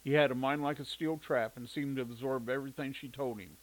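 A man narrating a story in an even, steady reading voice. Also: medium pitch, brisk, poor audio.

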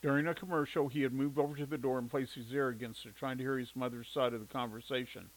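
A man narrating a story in an even, steady reading voice. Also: medium pitch, fast, rough recording.

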